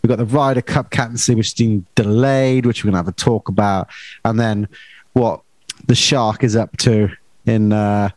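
A man's voice: lowish voice, fairly even intonation, moderate pace, a little mellow, dry recording, low-quality recording. A man hosting a podcast, running through the agenda in casual chat with a teasing edge. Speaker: podcast host.

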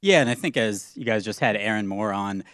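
A man guest on a sports betting podcast, talking through odds in a measured, analytical way. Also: fairly low pitch, lively intonation, a bit bright, no echo, clean studio sound. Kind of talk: casual podcast chat.

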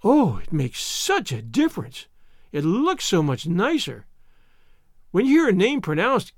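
A man reading aloud and voicing an eager, dramatic orphan girl of about eleven in a higher, breathless, gushing tone. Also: dry recording, clean studio sound.

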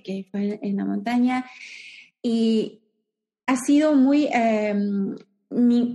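Peruvian woman in her forties, mellow. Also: fairly high pitch. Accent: Peruvian Spanish. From Peru. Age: 40s. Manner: reflective, many restarts and fillers, laughs often. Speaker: guest. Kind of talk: conversational interview.

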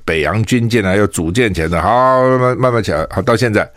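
A man's voice: on the low side, quick pace, a bit bright, no echo, studio quality. An older man from Taiwan, a radio talk show host, giving opinionated commentary full of scolding rhetorical questions. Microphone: studio microphone.

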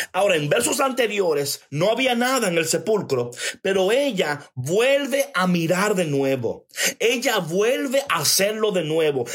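A man delivers a sermon in a high, slightly husky voice. He drives points home by repeating lines and speaks straight to his listeners, often pausing to ask if they follow. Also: a bit bright. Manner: emphatic, repeats phrases for stress; addresses listeners directly, checks in with "ok?". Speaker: preacher.

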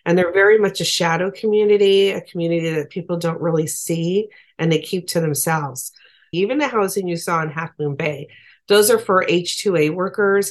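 A woman advocate for farm workers, speaking as an interview guest in an earnest, emphatic, plain-spoken way. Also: lowish voice.

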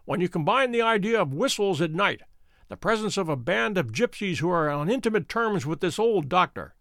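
A man voicing a calm, imperturbable detective who speaks with dry wit. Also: high voice, a little fast, no room sound. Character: cool, witty adult male detective, calm and bland.

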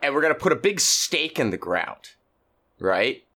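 A man's voice: medium pitch, very animated, normal speed, bright, forceful tone. A man co-hosting a comedy podcast, laying out a silly plan step by step. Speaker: podcast co-host. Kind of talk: improvised comedy chat.

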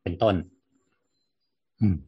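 A man hosting a casual podcast chat, explaining ideas in a rapid, chatty flow. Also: no room sound, lo-fi sound. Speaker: host.

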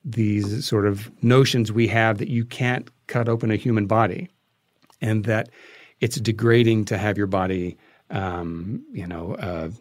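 A man being interviewed as a guest, telling anecdotes conversationally and haltingly as he thinks aloud. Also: on the low side, steady tone, dry recording.

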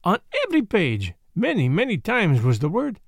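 Detective role: older, French accent, vain yet kindly, formal and theatrical, lively high-set delivery, audiobook. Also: male voice, moderate pace, no echo, clean studio sound, heavily acted. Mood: teasing, kindly. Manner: formal, courteous, emphatic phrasing with inverted word order.

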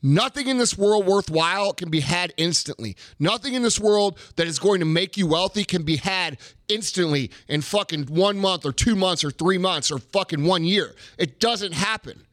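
A man's voice: high-pitched, expressive, moderate pace, hardly any pauses, fairly bright tone, no echo, studio quality. A man giving a blunt, profane motivational rant, hammering his points home with emphatic repetition. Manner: blunt, emphatic, heavy swearing. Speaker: motivational speaker.

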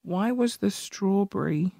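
A man with a high-pitched voice hosting a podcast, telling a story in an animated, self-deprecating way. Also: measured pace, gravelly, dry recording, studio quality. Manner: animated, self-deprecating, jumps between high and low tones. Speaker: podcast host. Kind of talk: casual storytelling monologue.

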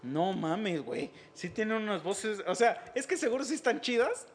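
A man with a Mexican accent talks in a loose, slangy way, laughing often as he goes. His voice sits a touch high and swings up and down freely. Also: sing-song, normal speed. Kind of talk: casual chat.

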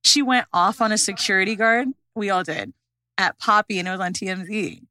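A woman's voice: medium pitch, brisk, pushed and bright, no echo. A young woman chatting casually as a podcast guest, blunt and slangy with plenty of swearing. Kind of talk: casual chat.

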